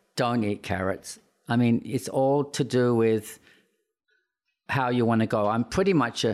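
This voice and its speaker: On a very clean recording with a silent background, a man with an Australian accent speaks at a medium pitch with ordinary pitch variation. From Western Australia. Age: 60s. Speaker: hairstylist. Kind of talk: interview conversation.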